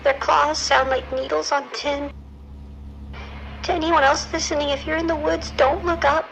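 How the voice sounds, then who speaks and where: A shaken dispatcher, very high, creaky. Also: female voice, level tone, moderate pace, a bit bright, a little hiss or hum, low-quality recording. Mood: haunted dread. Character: shaken female ranger dispatcher, haunted and grimly warning. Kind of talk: horror radio drama acting.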